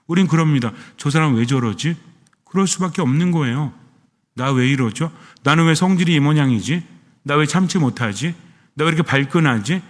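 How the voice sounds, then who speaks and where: A Catholic priest preaching a sermon in a fairly high voice, asking question after question and answering each one himself. His voice carries a long reverb, as if he is in a church. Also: a bit bright. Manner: asks the congregation questions and answers them himself.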